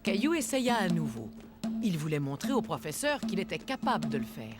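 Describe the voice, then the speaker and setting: A woman narrating a preschool cartoon as a gentle, expressive storyteller, in scripted storybook style. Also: lowish voice, a little fast, over loud music. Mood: sympathetic.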